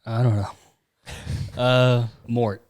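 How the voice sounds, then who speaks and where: A man's voice: medium pitch, level tone, drawn-out words, darkish tone, no room sound. Male podcast regular, playful punster, casual, dry close sound. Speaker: podcast co-host.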